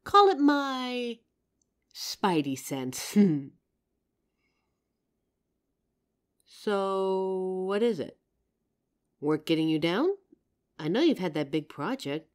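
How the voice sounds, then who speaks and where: A woman's voice: mid-range voice, sing-song, slow. A woman playing a loving, protective girlfriend in an intimate comfort roleplay, tender and earnest with some teasing. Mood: gently concerned. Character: loving, protective girlfriend reassuring her partner. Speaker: audio roleplay performer.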